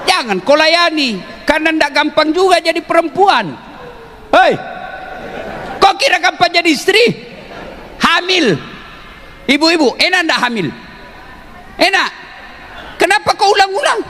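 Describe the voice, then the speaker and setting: A male preacher with a high, bright, ringing voice gives a humorous sermon, teasing his listeners and breaking into shouts. He is recorded in a large hall with a long reverb tail and faint background noise. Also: a little slow, pauses often. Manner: joking, animated, teasing the audience, bursts of shouting.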